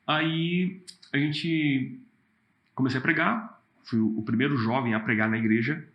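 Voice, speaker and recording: Pastor telling stories. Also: male voice, mid-range voice, a little slow, muffled recording. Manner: animated, acts out quotes, laughs often. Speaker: pastor and worship leader. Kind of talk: casual interview storytelling.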